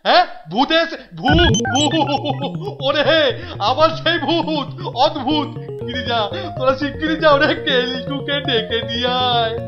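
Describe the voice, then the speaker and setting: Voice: high voice, unhurried, dull audio. An actor playing a cowardly older schoolteacher in a children's cartoon, stammering and repeating words in a flustered way. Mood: panicked. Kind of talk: exaggerated children's cartoon acting. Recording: background music under the voice.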